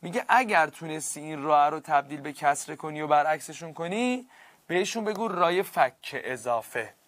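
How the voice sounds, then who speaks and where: A male teacher giving a classroom grammar lesson, stretching key words out slowly for emphasis and checking often that students follow. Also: fairly high pitch, lively intonation, fairly bright tone, dry recording.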